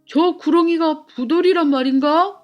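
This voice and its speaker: A woman voicing an earnest, loyal gentleman scholar in a children's folktale, with expressive old-fashioned speech. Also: high voice, normal speed, lo-fi sound, soft background music, pitched above the performer's own voice, natural voice. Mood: shocked. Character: earnest young scholar turned official, loyal to friends. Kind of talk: children's storybook character voice.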